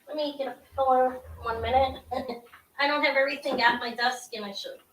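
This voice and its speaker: A middle-aged woman with a sharp, high-pitched voice, hosting a live jewelry auction from her desk at home, chatty and scattered with lots of ums and quick restarts. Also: steady tone, slight background noise, poor audio. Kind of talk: casual live-stream selling. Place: small home room with shelves of jewelry displays.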